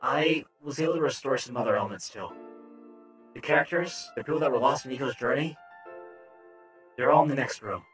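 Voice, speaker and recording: A man voicing a gentle, hesitant computer entity in a glitchy voice with jumping pitch, as part of a game playthrough. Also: a little fast, long pauses, faint music behind, rough recording. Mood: tender.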